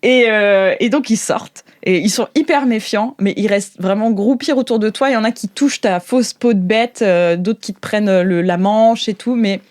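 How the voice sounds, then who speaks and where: A woman acts as game master of a tabletop roleplaying session. She addresses her players directly and narrates in an animated, informal way. Her speech is slangy and improvised, with a medium-pitched voice. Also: normal speed, hardly any pauses.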